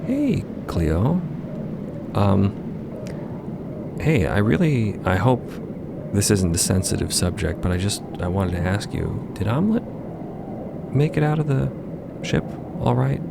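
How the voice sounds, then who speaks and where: A man voicing a gentle, caring female crewmate in an audio drama, speaking softly with careful hesitation. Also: on the low side, big pitch swings, unhurried, gravelly, long pauses, heavy background noise, heavily acted. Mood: cautious. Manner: hesitant, careful, soft-spoken.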